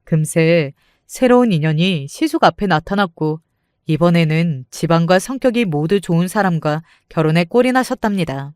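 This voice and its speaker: A woman's voice: on the low side, animated, normal speed, darkish tone, clear, resonant tone, no echo, studio quality. A woman narrating a scripted first-person family drama story in a storytelling style.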